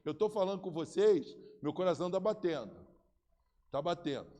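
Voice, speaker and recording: A Brazilian pastor in his fifties with a Brazilian Portuguese accent, preaching an animated, joking sermon with acted-out voices in a church. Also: high voice, moderate pace. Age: 50s. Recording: long reverb in a large hall.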